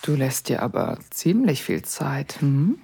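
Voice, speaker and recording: A woman's voice: a bass voice, very animated, measured pace, creaky, dark tone, breathy edge, heavily acted. A woman playing a confident, playfully dominant lover in an erotic audio drama. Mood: assured.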